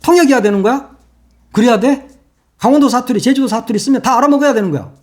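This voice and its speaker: A man's voice: very high voice, expressive, quick pace. An older man, a former broadcaster turned online commentator, ranting and scolding in sarcastic rhetorical questions.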